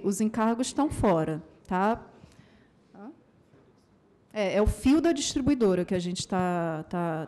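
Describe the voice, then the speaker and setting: A woman's voice: medium pitch, dark tone. A woman at a panel table with a desk microphone, explaining technical points and answering audience questions at a public meeting. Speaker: agency presenter answering questions.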